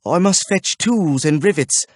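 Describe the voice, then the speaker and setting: A man's voice: on the high side, expressive, measured pace, dry recording, clean studio sound, pitched above the performer's own voice. A man doing a surly, defiant young smith. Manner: surly, angry.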